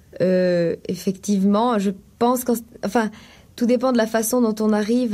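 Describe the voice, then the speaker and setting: A woman speaks in a dark, mellow tone with a monotone, flat intonation. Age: 20s. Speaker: writer. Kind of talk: interview answer.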